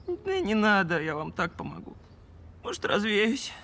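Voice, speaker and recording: A woman's voice: medium pitch, sing-song, unhurried. A woman voicing an earnest, moody schoolboy in a children's cartoon, with a whiny, protesting manner. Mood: glum.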